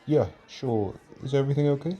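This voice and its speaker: A man playing an easygoing friend at a party in a roleplay audio, chatting in a relaxed, friendly way. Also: medium pitch, a little fast, slightly rough, lo-fi sound, faint music behind, lightly acted. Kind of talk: casual chat in a roleplay audio.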